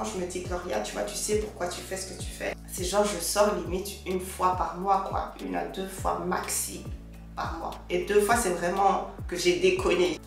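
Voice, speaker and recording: A woman's voice: lowish voice, vocal fry. A young woman chatting casually to her viewers while doing her makeup, slangy and direct. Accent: French with English loanwords. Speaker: beauty vlogger. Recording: echoey room from a distant mic.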